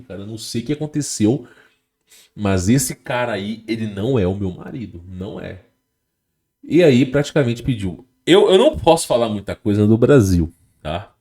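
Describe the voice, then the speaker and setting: Hesitant Brazilian man with a dark voice. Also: on the low side. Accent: Brazilian Portuguese. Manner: hesitant, repeats words, frequent "tá?" tag questions. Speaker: channel host. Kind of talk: casual monologue to camera.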